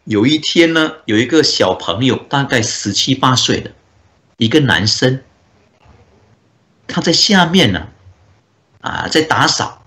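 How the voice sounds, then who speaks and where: A man, a Buddhist monk, giving a dharma talk as a story, with drawn-out filler particles and frequent chuckles. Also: mid-range voice, very animated, bright, forceful tone.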